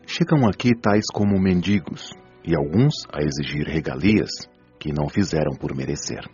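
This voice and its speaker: A patient, didactic spirit counsellor in a Brazilian radio drama, acted by a man. His voice is deep and animated, gently admonishing as he teaches. Music plays under the slightly dull recording. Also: normal speed. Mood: solemn, teaching. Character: patient, wise male spirit doctor counselling souls. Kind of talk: Brazilian audio drama acting. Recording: dull lo-fi audio, music behind.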